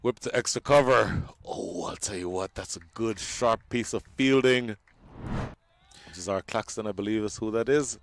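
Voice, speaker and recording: A man giving live cricket commentary, animated and joking, his voice jumping up on the big moments. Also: lowish voice, moderate pace, vocal fry, dry recording.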